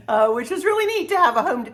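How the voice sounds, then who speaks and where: A middle-aged woman from Virginia, telling viewers a travel story in a chatty way, repeating herself and adding folksy asides. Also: sits high. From Virginia, USA. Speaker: travel vlogger.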